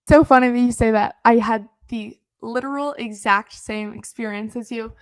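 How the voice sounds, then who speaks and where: Young Swiss woman, higher voice, enthusiastic. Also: fairly even intonation, moderate pace, no echo. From Switzerland. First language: French. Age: young adult. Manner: enthusiastic, casual, says "like". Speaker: guest, student head prefect. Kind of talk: casual conversation.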